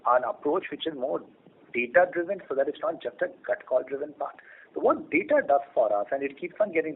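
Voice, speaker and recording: A man's voice: mid-range voice, slightly rough. An Indian man, a company executive, explains business decisions to analysts with an Indian accent and emphatic rhetorical questions. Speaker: company executive on an earnings call. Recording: phone-like conference call audio.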